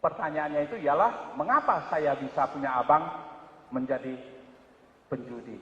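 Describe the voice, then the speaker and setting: A man's voice: on the high side, moderate pace. Man giving a buddhist sermon, muffled lo-fi sound, lots of echo. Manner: lively, acts out quoted voices, swings loud and quiet. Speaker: Buddhist speaker. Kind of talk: dharma talk. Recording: echoey hall, dull lo-fi sound.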